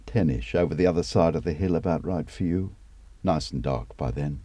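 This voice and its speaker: A man's voice: extremely low pitch, brisk, warm tone, no echo. A man reading an audiobook, voicing an obliging, practical male fixer who talks in a chatty, colloquial way. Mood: matey briefing. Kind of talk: audiobook character voice.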